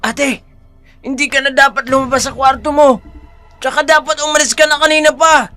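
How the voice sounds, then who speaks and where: A man voicing a brave, bossy village child in a horror audio drama, shouting warnings and scolding. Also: very high voice, little pitch movement, normal speed, faint music behind.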